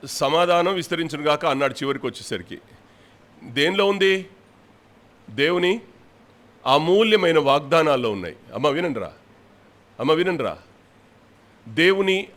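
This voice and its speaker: A male pastor preaching a sermon, rebuking his listeners with a string of pointed rhetorical questions and swinging between loud and quiet. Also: on the high side, animated, normal speed, pauses often. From India.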